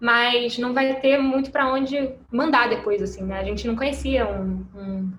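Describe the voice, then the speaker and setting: The woman's intonation is fairly even. Audible room echo surrounds her voice. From Petrópolis, interior of Rio de Janeiro state, Brazil. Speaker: illustrator and designer, studio co-founder. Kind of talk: guest talk presenting work. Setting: video call. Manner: fast.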